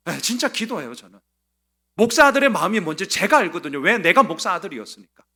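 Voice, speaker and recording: A man preaching a sermon as pastor, acting out quoted lines with sudden swings from soft to loud. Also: high voice, big pitch swings, quick pace. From South Korea. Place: church sanctuary.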